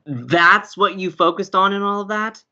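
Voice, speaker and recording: A woman's voice: medium pitch, normal speed, pushed and bright, lo-fi sound. A young woman acting as a breezy, romantic and theatrical college radio co-host in an audio comedy. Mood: breezy, amused. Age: young adult. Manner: playful, dramatic.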